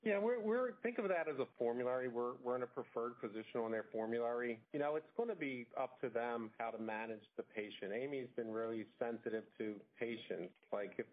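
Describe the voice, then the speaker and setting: A man's voice: medium pitch, a little fast, hardly any pauses. Informal male executive on phone line. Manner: informal, folksy phrasing. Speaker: company executive. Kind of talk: earnings call answers, business talk. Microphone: telephone conference call.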